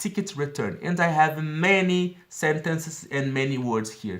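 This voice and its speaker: A man with a Brazilian accent at a fairly slow pace. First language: Portuguese. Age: 30s. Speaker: English learner vlogger. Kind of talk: tutorial. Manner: halting.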